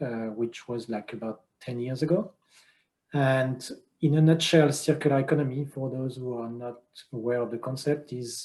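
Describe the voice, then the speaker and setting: A man in a French accent, at a moderate pace, with medium pitch and fairly even intonation. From France, rural farm. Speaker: circular economy expert. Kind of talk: panel interview. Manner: hesitant, many fillers.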